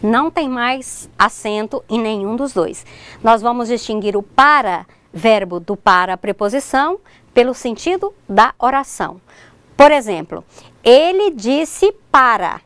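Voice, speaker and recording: Lively-voiced woman teacher explaining. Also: fairly high pitch, unhurried, smooth, no room sound. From Brazil. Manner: explains step by step, checks in with "ok?"; addresses students directly, points at examples. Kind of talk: recorded distance-learning lesson.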